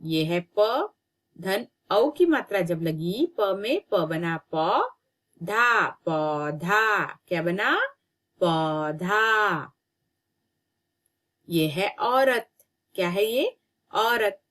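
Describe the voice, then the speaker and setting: A woman teacher giving a children's reading lesson, sounding out syllables slowly and repeating each word patiently. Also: medium pitch. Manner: slow, drawn-out syllables, patient repetition.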